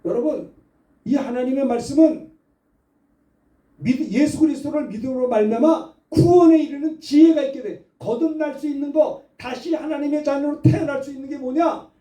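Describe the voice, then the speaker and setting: Male pastor, middle-aged, high voice with a dark, mellow tone, chatty storytelling sermon, roomy church sound picked up from a distance. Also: normal speed. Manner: conversational storytelling, building to fervent exhortation. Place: church sanctuary. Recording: echoey church hall, mic at a distance.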